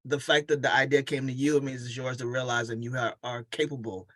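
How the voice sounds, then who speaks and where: A woman's voice: very deep voice, little pitch movement, a little fast, no echo. An American woman hosting a casual interview like a coach, emphatic and affirming as she talks and asks questions.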